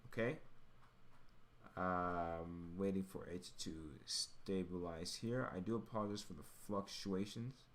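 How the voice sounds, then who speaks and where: A man who tutors chemistry explains something step by step in an informal way, thinking aloud as he works. He has a deep voice and a measured pace.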